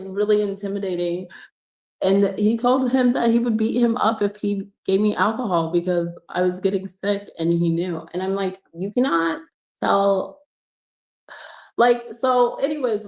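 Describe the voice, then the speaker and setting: A woman's voice: mid-range voice, a little mellow, roomy sound. A woman hosting a casual tarot livestream, telling a story in a chatty way and laughing often. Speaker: tarot reader and livestream host.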